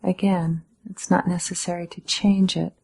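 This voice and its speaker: A woman teaching meditation speaks in a breathy, faintly husky voice pitched on the low side. She gives measured, tranquil guidance, pausing gently as she goes.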